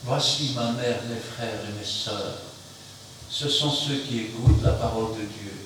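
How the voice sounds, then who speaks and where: A man preaching an emphatic sermon, swinging between loud outbursts and quiet asides. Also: mid-range voice, measured pace. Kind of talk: fiery sermon. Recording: very echoey room, mic far off, faint noise.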